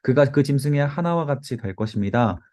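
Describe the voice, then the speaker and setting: A man's voice: mid-range voice, animated, fairly quick, a little mellow, voice pushed up, lightly acted. A man reading the lines of a bold, faithful young shepherd who speaks earnestly.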